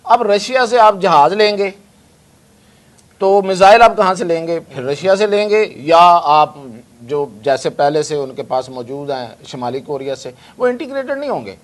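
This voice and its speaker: Confident man, higher voice. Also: animated. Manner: confident, salesman-like, mixes in English phrases. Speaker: defense analyst guest. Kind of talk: discussion on a news talk show.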